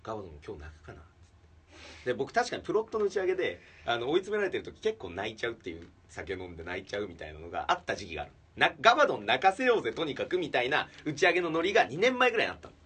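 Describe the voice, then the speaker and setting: A man who hosts a comedy podcast tells a story in casual chat. He acts out the quotes and swings from loud outbursts to hushed asides. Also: mid-range voice, wildly swooping pitch, racing, slightly rough, far from the mic.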